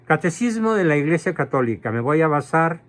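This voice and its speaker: A man giving a doctrinal lecture on Catholic teaching, speaking emphatically and slowly spelling out terms. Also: on the high side, sing-song. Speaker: catechism lecturer.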